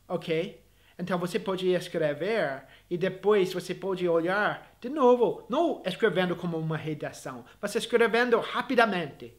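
Guy english teacher, kinda high voice, encouraging tips, restarts a lot, small grammar slips. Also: lively intonation, moderate pace. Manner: earnest, encouraging, with frequent restarts and repeated words; speaks Portuguese as a learner, with small grammar slips. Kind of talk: video lesson addressed to viewers.

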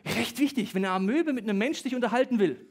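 A young adult man preaching a sermon as pastor, lively and joking, sometimes talking faster than he thinks. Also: extremely high pitch. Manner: lively, joking, talks fast at times.

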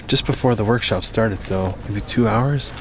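A man's voice: lowish voice, moderate pace, noisy background. A man, the homeowner, chatting casually on camera at an outdoor building workshop and telling stories in a rambling way. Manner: rambling, animated storytelling.

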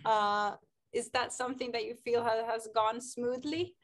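A woman's voice: fairly high pitch, measured pace. A woman in her thirties from Finland whose first language is Swedish, an actress chatting casually in an interview from a studio set.

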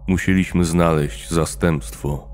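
Horror story reading: man reading a grim, shaken army warrant officer, low and unhurried, faint music under the voice. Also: fairly even intonation, darkish tone.

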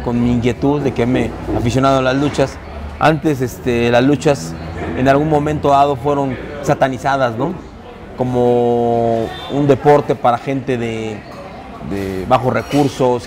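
A man in his forties with a Mexican accent, telling the story of his taquería in an interview, talking easily with hesitant restarts. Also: mid-range voice. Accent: Mexican Spanish. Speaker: taquería owner. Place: busy taquería dining room, indoors. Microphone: camera interview, seated. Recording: music under the voice.

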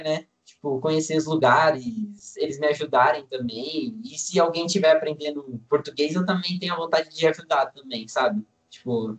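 Over poor audio, a fairly high-pitched male voice comes through a computer mic on a video call. The speaker, a nineteen-year-old language student, talks casually from a room at home, with an easygoing, enthusiastic manner that tends to ramble.

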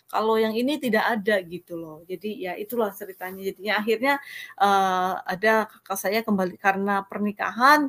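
A woman giving a personal faith testimony in an interview, telling her story in an earnest, halting way over a video call. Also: mid-range voice, fairly bright tone.

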